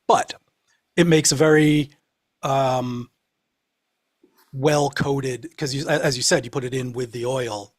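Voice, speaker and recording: A man with a husky, rough-edged voice and a slight Boston accent. He speaks at a middling pitch as a co-host in casual chat, dryly joking and a bit sweary.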